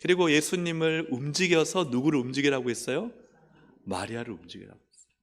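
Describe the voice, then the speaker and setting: A male pastor preaching a lively sermon, putting questions to the congregation. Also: a little high, fast talker. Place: church sanctuary. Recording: long church hall reverb.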